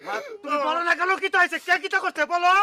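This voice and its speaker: A man playing an excitable younger son who echoes and eggs on his brother, with a Sylheti accent. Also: very high-pitched, heavily acted. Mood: urging. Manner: quick, echoing, egging on.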